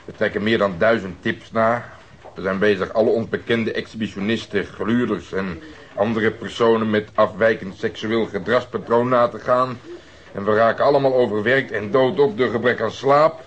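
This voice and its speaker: An actor playing an irascible, overworked police detective in a radio crime drama, gruff, sarcastic and quick to swear. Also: male voice, on the low side, steady tone, close to an everyday voice. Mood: weary, exasperated. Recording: dull lo-fi radio drama recording.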